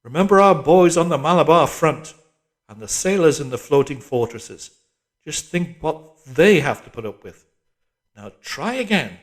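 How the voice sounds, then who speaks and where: A man's voice: a little high, lively intonation, normal speed, voice pushed up, natural voice. A man voicing a shrewish, bossy middle-aged woman barking exercise orders and patronising encouragement in an audiobook. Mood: brisk, exhorting. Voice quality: shrewish, strident. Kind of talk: audiobook character voice.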